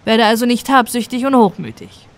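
A woman's voice: on the high side, fairly quick, close to an everyday voice. A woman voicing a small friendly house goblin, kindly and admonishing, in a fairy-tale audiobook. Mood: gentle warning.

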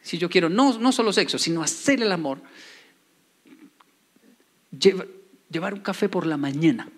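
A man's voice: high-pitched, normal speed. A middle-aged man giving a humorous motivational talk, joking and acting out little dialogues. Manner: animated, joking, acts out dialogues. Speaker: motivational speaker.

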